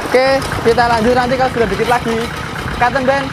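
A man, talking through a casual, excited, slangy vlog outdoors in a rice field. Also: very high voice, quick pace, very noisy. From Indonesia. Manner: excited, slangy, calls viewers "boy". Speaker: vlogger. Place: outdoors in a rice field beside a running tractor.

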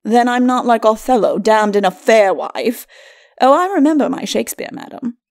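A haughty skeleton lord from a storybook, acted out by a woman, bickering with mocking disdain. The pitch moves widely through archaic, aristocratic phrasing, and it sits on the high side for the reader. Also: lively intonation, normal speed. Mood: mocking, sardonic. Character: bickering, sneering undead skeleton lord, a husband. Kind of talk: storybook character acting.

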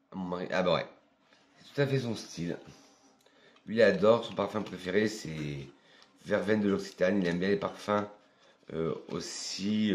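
A man from France speaks in a low voice and a very slow rhythm as he reviews perfumes. He thinks aloud, pausing often and picking his words. The tone stays relaxed and chatty, a casual review vlog. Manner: unhurried, hesitant, thinking aloud with many pauses.

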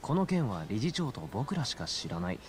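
An actor playing a friendly, boyish, easygoing detective in a video game drama, explaining things casually. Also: male voice, mid-range voice, very animated, normal speed, close to an everyday voice. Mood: light, upbeat.

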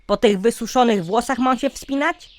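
A woman's voice: on the high side, normal speed, dry recording, close to an everyday voice. A woman playing a picky young cartoon prince, snooty and fault-finding. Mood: fussy, disdainful. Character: fussy, picky young fairy-tale prince.

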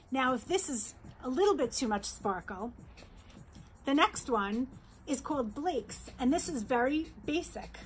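A middle-aged woman from New York, a jewelry designer, presenting her bracelets in a bright, chatty sales pitch in her showroom, close to the camera. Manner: upbeat, chatty sales pitch, holds up pieces. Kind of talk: virtual trade show product presentation. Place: indoor showroom with jewelry displays.

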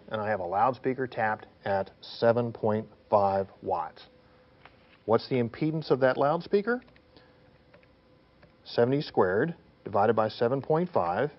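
A man's voice: mid-range voice, lo-fi sound. A man teaching as a technical instructor, explaining worked examples step by step in an emphatic, didactic way, often posing questions and answering them.

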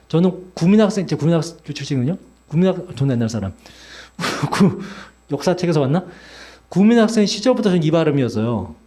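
Male teacher, 40s, classroom lecturer; chatty, teasing, talks straight to students; slightly high, very animated pitch. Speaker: English teacher.

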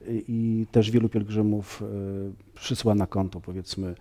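Flat, low-voiced priest explaining. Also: male voice. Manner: measured, explanatory, frequent fillers. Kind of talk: studio interview. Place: bright TV studio, seated on sofa.

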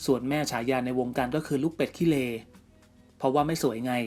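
Man reading entertainment news over soft music. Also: mid-range voice, steady tone, fairly quick. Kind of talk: scripted news narration. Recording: music bed faint underneath.

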